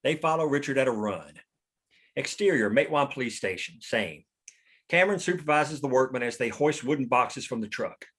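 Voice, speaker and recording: A man's voice: mid-range voice, expressive, moderate pace, fairly bright tone, breathy edge. A man reading stage directions as scripted narration at a table read.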